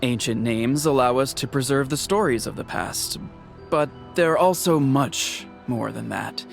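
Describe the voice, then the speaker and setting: An actor playing a calm, dignified, protective tribal chief in a video game, speaking in a measured, formal way. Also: male voice, medium pitch, gravelly, soft background music. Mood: solemn, explanatory.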